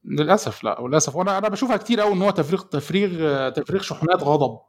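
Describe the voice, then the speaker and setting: Fast-talking young Egyptian man. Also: on the high side, lively intonation. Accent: Egyptian Arabic. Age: young adult. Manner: easygoing, searching for words as he reflects. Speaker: guest. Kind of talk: casual podcast conversation.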